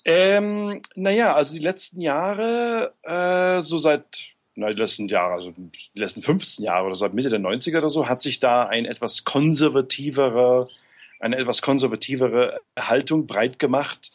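A man's voice: mid-range voice, normal speed. Hesitant man full of fillers. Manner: hesitant, many fillers and restarts. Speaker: aid worker being interviewed. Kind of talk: casual interview.

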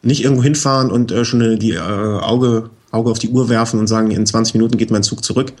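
A man with a husky, slightly breathy voice that sits on the low side walks through his advice in a relaxed, conversational way. He explains things step by step and keeps dropping in little tag questions and fillers as he talks. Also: fast talker. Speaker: bicycle expert guest. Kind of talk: casual explanatory chat.

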